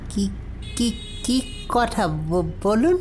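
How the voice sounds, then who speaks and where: Over clear music in the background, a man performs in a put-on character voice. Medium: read story. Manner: stammering.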